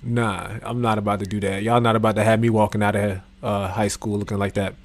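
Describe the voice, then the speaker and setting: A man's voice: fairly low pitch, level tone, a little fast, slight background noise. A man hosting a casual interview, talking in an informal, slangy, joking way. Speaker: podcast host, interviewer. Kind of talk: casual chat.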